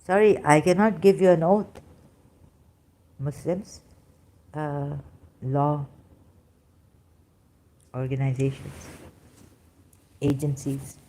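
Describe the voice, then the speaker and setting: A woman with a low, mellow voice talks through a personal monologue. She stops often, fills gaps with hesitations and restarts her phrases while she hunts for words. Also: fairly even intonation. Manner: halting, searches aloud for words, many fillers and restarts. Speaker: vlogger.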